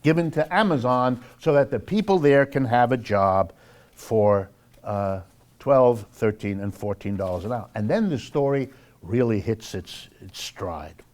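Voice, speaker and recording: A man's voice: medium pitch, measured pace, darkish tone. An American man giving a live public lecture, sarcastic and emphatic, drawing out key words for effect. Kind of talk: live lecture with read-out quotes and commentary.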